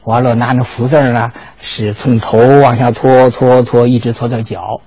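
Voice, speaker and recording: An older man giving a storytelling history lecture, lively and animated, often asking his listeners rhetorical questions. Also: medium pitch, moderate pace, slightly rough, no room sound, highs cut off.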